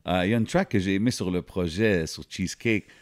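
A man with a Québécois French accent hosting a relaxed interview, slangy and mixing English words into his French. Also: sits low, a little fast. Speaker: interview host. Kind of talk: casual interview.

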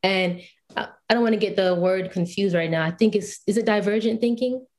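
A woman guest in a casual podcast interview, talking in an animated, emphatic way. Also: medium pitch, brisk. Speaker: guest, UI/UX designer and photographer.

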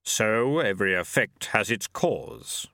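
A man voicing Death, a grave skeletal personification who speaks deliberately. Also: fairly low pitch, expressive, bright, forceful tone, dry recording, clean studio sound, full character voice.

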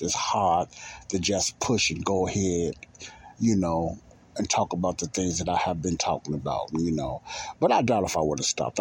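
A man's voice: low voice, a little mellow, a little hiss or hum. A man hosting a casual Christian talk show, speaking in a rambling monologue and repeating phrases for emphasis. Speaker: podcast host.

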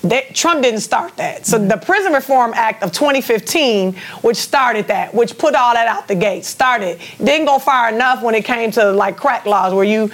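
A woman's voice: fairly high pitch, normal speed, hardly any pauses. A woman in a heated panel debate, insistent and focused on facts. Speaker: panel guest.

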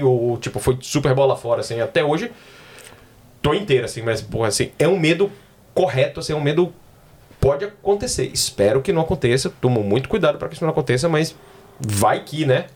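A man's voice: fairly high pitch, darkish tone. A man who works as a wedding celebrant, chatting casually on a podcast and telling stories with jokes and swearing. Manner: storytelling with joking asides and swearing. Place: in Australia.

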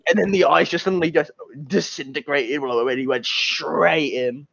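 A man's voice: fairly high pitch, moderate pace, vocal fry, dull audio, a crowd in the background. A man chatting casually as a podcast co-host, telling stories in a hesitant, rambling way with asides. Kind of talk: casual chat and storytelling.

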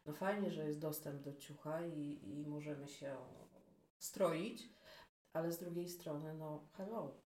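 A woman's voice: sits low, steady tone, unhurried, warm tone, recorded from a distance. A woman guest who runs a fashion business, talking casually and hesitantly with many fillers. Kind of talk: casual conversational interview. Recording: roomy echo, speaker off-mic.

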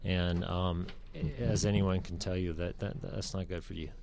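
A man speaking as a guest on a talk show, with a halting delivery full of fillers and restarts. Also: low-pitched, little pitch movement, gravelly, a little mellow. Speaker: veteran advocate guest. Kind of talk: casual radio talk.

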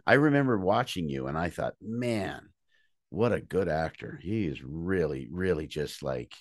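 A man hosting a podcast interview, teasing his guest with playful deadpan jokes. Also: deep voice, measured pace, no echo, clean studio sound. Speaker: podcast host. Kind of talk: joking interview chat.

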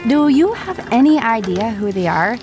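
A woman's voice: a little high, sing-song, moderate pace. A woman voicing a feisty, stern pirate captain who gives commands and snaps back sharply. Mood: commanding. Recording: music bed under voice.

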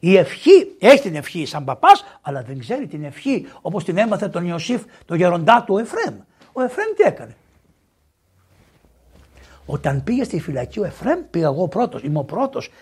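An older man, a priest, preaching a sermon in a church, animated and exclaiming, quoting scripture. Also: high-pitched, breathy edge.

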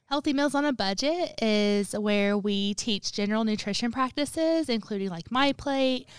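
A woman's voice: on the high side, normal speed, clear, resonant tone, no room sound. A woman guest, a nutrition director, answering interview questions in a matter-of-fact, explanatory way.

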